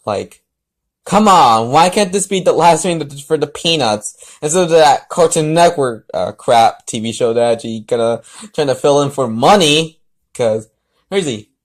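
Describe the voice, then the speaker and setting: Rambling, halting man vlogging. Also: fairly high pitch, animated. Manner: rambling, halting, often restarting sentences. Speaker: host of fan fiction reading videos. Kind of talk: casual rambling vlog talk and fan fiction read-aloud.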